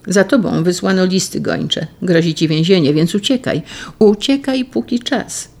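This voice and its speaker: A reader voicing a devoted young noble woman in an audiobook, urgent and pleading, with a gravelly edge. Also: on the low side, fairly even intonation, normal speed, a little mellow. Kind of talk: audiobook reading.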